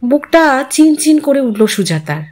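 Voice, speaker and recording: High-voiced woman narrating a story. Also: very animated, unhurried, a little mellow. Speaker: audio story narrator and channel host. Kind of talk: expressive scripted narration of a literary short story.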